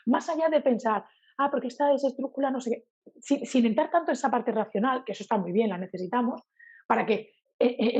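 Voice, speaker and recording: A woman's voice: fairly high pitch, a little mellow, breathy edge, dull audio. A woman from Spain, a Spanish teacher being interviewed, who talks animatedly and acts out her examples with a sing-song voice. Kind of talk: casual interview talk.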